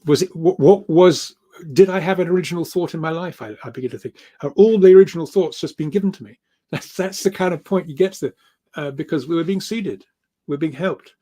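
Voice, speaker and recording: A man speaking as an interview guest on spiritual matters, halting and repeating words as he rambles through his thoughts. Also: fairly high pitch, dark tone.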